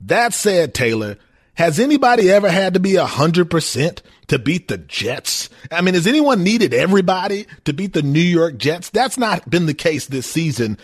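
A man from Minnesota co-hosting a sports talk radio show, talking in animated bursts and laughing as he makes his points. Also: fairly high pitch, moderate pace, husky. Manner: animated, laughs often, stresses words for emphasis. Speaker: fill-in sports radio host.

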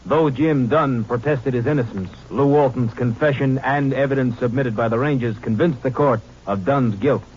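A man's voice: mid-range voice, moderate pace, few pauses, darkish tone, breathy edge. A man giving scripted narration in the style of a 1950s radio drama, on an old recording. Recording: dull, noisy vintage radio recording.

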